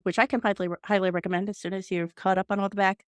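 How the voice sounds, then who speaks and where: A woman's voice: mid-range voice, level tone, rapid-fire, clear, resonant tone, no echo, clean studio sound. A woman hosting a podcast interview, friendly and chatty, recorded over a video call. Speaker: podcast host.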